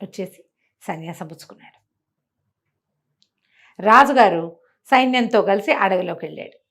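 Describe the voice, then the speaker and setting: A woman telling moral tales aloud in an animated, conversational way, explaining as she goes and acting out dialogue. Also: medium pitch, normal speed. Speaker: storyteller.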